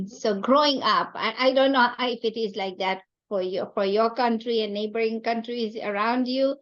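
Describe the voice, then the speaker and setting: A woman from Kenya speaking as an interview guest, telling of her life in a halting, reflective way with rhetorical check-ins. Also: fairly high pitch, dull audio. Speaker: podcast guest, entrepreneur and coach. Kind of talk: conversational interview storytelling.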